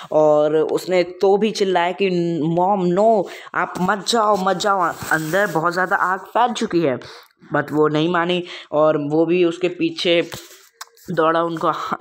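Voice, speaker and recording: A man teaching an English textbook chapter, reading lines out slowly and explaining them casually with many fillers. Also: a little high.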